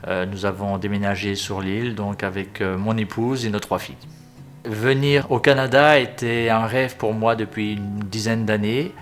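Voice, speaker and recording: A man in his forties from Europe, a business owner speaking earnestly in a testimonial interview, often pausing to hesitate. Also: lowish voice, steady tone, faint music behind. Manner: earnest, hesitant with frequent pauses.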